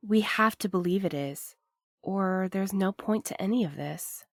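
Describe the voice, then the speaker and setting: An actress plays an earnest young woman courier in a naturalistic audio drama. She is direct and firm, with worry under it. Her voice is mid-pitched and the recording has no room sound. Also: unhurried, no echo, clean studio sound, close to an everyday voice. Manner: direct, insistent.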